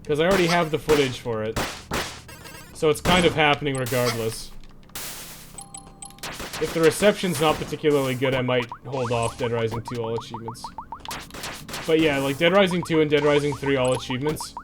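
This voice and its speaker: A man's voice: medium pitch, brisk, long pauses, background noise. A man chatting casually as he streams a game, rambling and swearing freely as he goes. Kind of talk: casual livestream chat while playing.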